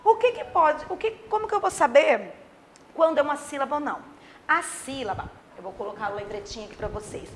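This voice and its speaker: A woman teacher explains a grammar lesson to children in a high, animated voice. She voices her pupils' questions herself. Faint background noise sits under a slightly distant mic at times. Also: brisk. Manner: plays imagined pupils' questions.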